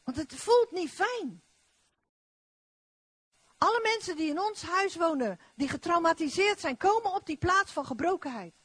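A middle-aged woman preaching a lively charismatic sermon, exclamatory and repeating her phrases. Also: extremely high pitch, measured pace, dry recording. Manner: animated, exclamatory, repetitive phrasing.

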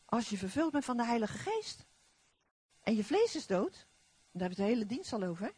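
A middle-aged woman preaching a lively charismatic sermon, exclamatory and repeating her phrases. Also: on the high side, a little fast, breathy edge, no room sound. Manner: animated, exclamatory, repetitive phrasing.

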